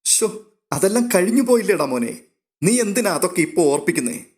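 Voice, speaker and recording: A man voicing a kind, tearful young woman who gently comforts her family as she leaves. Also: high-pitched, big pitch swings, a little fast, voice pushed up. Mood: tender. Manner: gentle, soothing, motherly.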